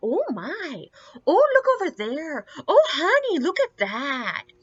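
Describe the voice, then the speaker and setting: Putting on a character voice in a Minnesota accent, a woman talks at an extremely high pitch with very wide pitch swings and a fairly slow pace. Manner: mocking, wide-eyed wonder.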